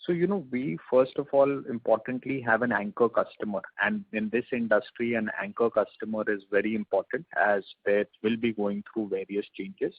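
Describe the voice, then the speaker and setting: A man with a low, husky voice comes through a narrow phone line with very little room sound. He talks like an executive on an investor call, giving measured, formal explanations. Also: no echo. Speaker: company executive. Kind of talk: earnings call answers, business explanation.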